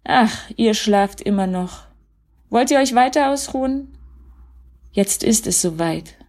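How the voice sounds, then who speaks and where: A woman voicing Jesus as a gentle, sorrowful grown man in a storybook reading, speaking softly and earnestly. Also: on the high side, animated, takes it slowly.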